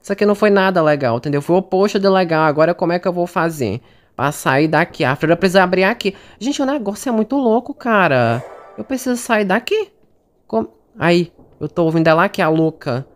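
A woman with a Brazilian Portuguese accent narrates her own horror gameplay in a fairly low voice. She is chatty and jumpy, talking straight to her viewers and to the characters on screen. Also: animated, a little fast. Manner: chatty and jumpy, talks to the audience and game characters. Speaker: gaming streamer. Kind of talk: casual gameplay commentary.

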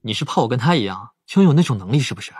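An actor playing a calm, analytical young male investigator in an audiobook drama, speaking in a measured, reasoning way. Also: medium pitch, slightly rough, no room sound, clean studio sound. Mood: gently protesting.

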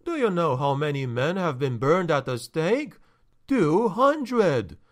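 A man's voice: on the high side, big pitch swings. A man reading a story aloud, voicing an anxious male steward who talks in a shaky, pleading way. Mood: agitated. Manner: shaky, agitated, slow and pleading.

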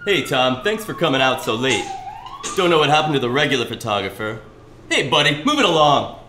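A man playing a brisk, chatty police officer in a live radio play, recorded in a roomy club with some noise. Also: medium pitch, very animated, lightly acted. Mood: brisk, concerned. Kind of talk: live old-time radio play acting.

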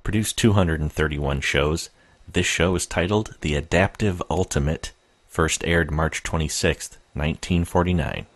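A man's voice: very deep voice, moderate pace, dry recording. A man introducing a program as podcast host, in a scripted style.

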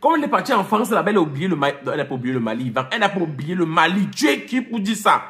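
Rapid-fire and very animated, a vlogger with a high-pitched, slightly bright voice launches into a comic rant aimed at his viewers. He teases them, says names over and over, drifts into English, and keeps laughing mid-sentence.

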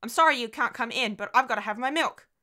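A woman narrator puts on a small girl for an audiobook. The voice is high and bright. She is childlike, stubborn and completely matter-of-fact, insisting on what she wants. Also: fast. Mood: stubborn, insistent. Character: little London girl, stubborn and matter-of-fact about her imaginary friend. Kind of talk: audiobook character voice.

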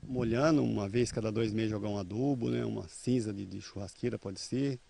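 Mellow-voiced Brazilian farmer explaining planting. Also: male voice, on the low side, brisk, gravelly, a little hiss or hum. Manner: plain, explanatory, informal. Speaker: rural producer guest. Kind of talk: practical how-to explanation. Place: outdoor garden. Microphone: reporter's handheld mic.

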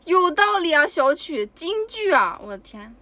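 A woman's voice: extremely high pitch, big pitch swings, a little slow, sharp tone, no echo, highs cut off. A woman chatting casually with fans on a livestream, giggly and exclamatory. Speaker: idol livestreamer. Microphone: phone.

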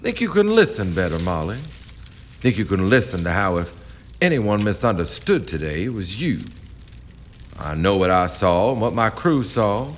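An actor playing a swaggering, menacing riverboat captain in a radio drama, smooth-talking and taunting with flowery turns of phrase. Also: male voice, fairly low pitch, sing-song, moderate pace, slight background noise.

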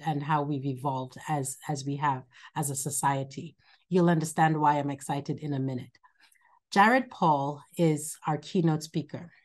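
A woman with a low voice hosts an online alumni event. She talks off the cuff, often repeating a word before going on. The sound comes through a home video call. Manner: warm, repeats words while speaking off the cuff. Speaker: college dean hosting an alumni event. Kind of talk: welcome speech over video call.

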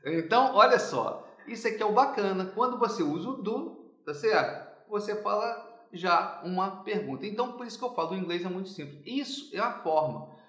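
A man's voice: sits high, lively intonation, a little fast, a bit bright, roomy sound. A businessman who runs an English school, explaining in a teaching manner during an interview and checking in often with his listener. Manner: didactic, checks in with "tá certo?" often.

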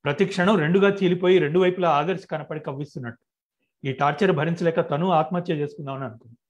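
A man reading his own novel aloud in a steady, even storytelling manner. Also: fairly high pitch, quick pace, lo-fi sound.

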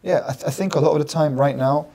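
Man in his thirties, warm dark tone, emphatic guest on a studio podcast. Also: a little high, fast talker. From London, England. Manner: emphatic, repeats phrases in lists. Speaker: guest religious scholar. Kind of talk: podcast interview, earnest explanation. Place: small studio set with plants. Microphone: desk mic on stand.

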